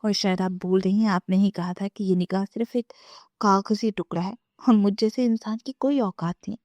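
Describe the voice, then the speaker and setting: A woman's voice: medium pitch, fairly even intonation, a little mellow, dry recording, lightly acted. A woman voicing a proud, rude young husband in a storybook reading, speaking in a cold, cutting, bitter way.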